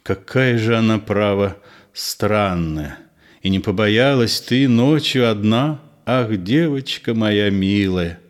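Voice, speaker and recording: A man voicing a gentle, nervous middle-aged man in a read-aloud play, low and soft. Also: takes it slowly. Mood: soothing.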